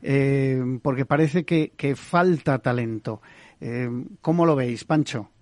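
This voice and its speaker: Halting male podcast host, dry sound. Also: mid-range voice, darkish tone, dry recording. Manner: halting, many "eh" fillers. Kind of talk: hosting an interview.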